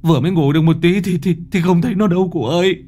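A man's voice: high voice, fast talker, pitched above the performer's own voice. Brief: distraught father, wails and stammers, a male narrator puts him on. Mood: stammering panic. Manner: wailing, stammering, panicked shouts. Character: grief-stricken young father, frantic and sobbing.

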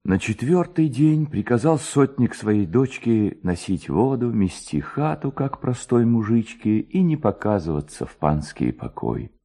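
A man's voice: on the low side, unhurried, hardly any pauses. A man narrating a literary folk tale in a dramatic, suspenseful, theatrical manner. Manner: expressive, theatrical, suspenseful storytelling.

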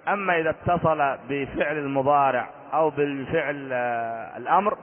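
A man's voice: fairly high pitch, brisk. A man, a sheikh, teaching an Arabic grammar lesson, quizzing his students and repeating each rule. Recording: tinny phone-like audio in a long-reverb hall.

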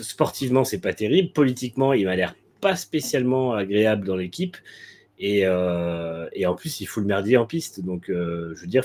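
A man's voice: fairly low pitch, a little mellow, husky. A man co-hosting a motorsport talk show, giving frank, blunt opinions with many hesitant fillers. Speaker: motorsport podcast co-host. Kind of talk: casual opinionated chat.

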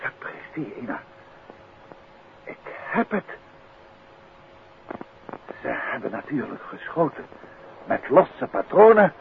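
A man's voice: medium pitch, very animated, slow pace, vocal fry, long pauses, full character voice. An actor playing a composed, inquisitive male detective, courteous and protective, in a 1950s radio drama. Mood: startled, urgent. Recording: narrow, noisy 1950s radio recording.

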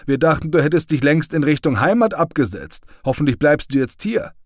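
A man's voice: fairly high pitch, animated, a little fast, no room sound, clean studio sound, pitched above the performer's own voice. A man reading the part of a friendly, talkative young male soldier. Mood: chatty. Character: chatty young male soldier, lance corporal.

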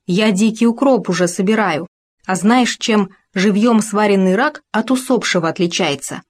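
A woman's voice: medium pitch, close to an everyday voice. A woman voicing a greedy male gopher who chatters on eagerly. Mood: chattering. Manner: rattles on quickly, eager.

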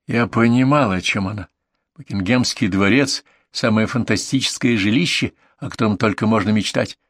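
A man reading a story aloud in a measured, even way. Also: on the low side, dry recording, studio quality. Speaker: audiobook narrator. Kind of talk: scripted narration.

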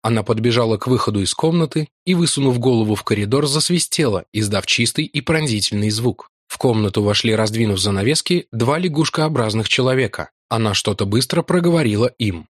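A man reading a novel aloud in measured, expressive scripted narration. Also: mid-range voice, dry recording, studio quality. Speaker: audiobook reader.

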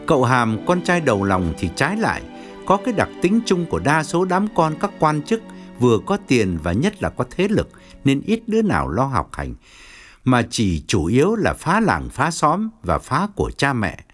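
A man narrating an audiobook novel in an expressive storytelling manner. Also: medium pitch, moderate pace, soft background music. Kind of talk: scripted narration.

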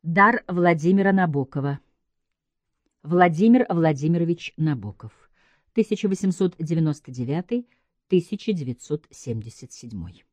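A woman with a fairly low voice reads a literary essay in a very lively, melodic delivery. Her phrasing is measured and emphatic, set off by deliberate pauses. The recording is dry and close, with no room sound. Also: no room sound. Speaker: writer giving a literary essay. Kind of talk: scripted literary essay read aloud.

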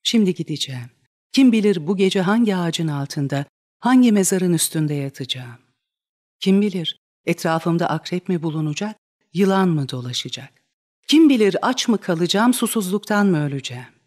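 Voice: mid-range voice, expressive, moderate pace, darkish tone, lightly acted. A reader voicing a desperate, lovesick young woman in a dramatic reading of a stage play, pleading and crying out in rising outbursts. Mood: despairing.

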